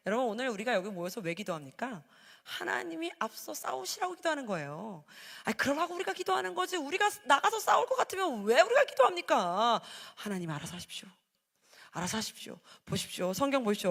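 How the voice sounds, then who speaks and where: Animated high-voiced woman preacher, echoing hall. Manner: animated, acting out quoted voices, swings from shouting to hushed. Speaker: evangelist preacher. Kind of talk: sermon. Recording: hall with long reverb.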